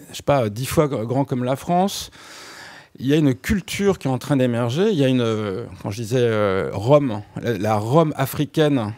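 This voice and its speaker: A man speaking as a radio guest, explaining music history in a halting way, with frequent restarts and fillers. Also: medium pitch, darkish tone, dry recording, clean studio sound. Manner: hesitant, many restarts and fillers.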